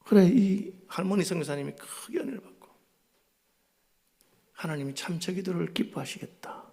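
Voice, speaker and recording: Revival preacher, male, Gyeongsang accent, gravelly voice, storytelling sermon with loud and hushed swings. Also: sits high, very animated, moderate pace. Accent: Gyeongsang Korean. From Gyeongsang, South Korea.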